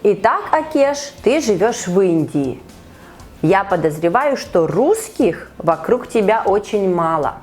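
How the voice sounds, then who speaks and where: A woman teacher hosts an online chat with a student. She speaks slowly and deliberately, and her pitch rises and falls in a very lively way. Faint music plays underneath. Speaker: Russian teacher and podcast host. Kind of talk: conversational interview with a learner. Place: online call.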